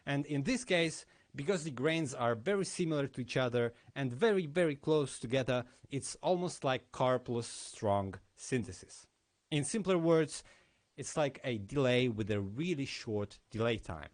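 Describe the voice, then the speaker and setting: A man's voice: medium pitch, lively intonation, normal speed. A man speaking at a conference, giving a technical lesson with explanatory commentary on live demos.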